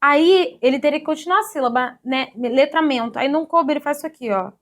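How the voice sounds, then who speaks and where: A Brazilian woman teaching an online grammar lesson in a lively, chatty way, often checking in with her students. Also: high-pitched, fairly quick. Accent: Brazilian Portuguese. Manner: lively, chatty, addresses students as "gente", ends points with "tá?".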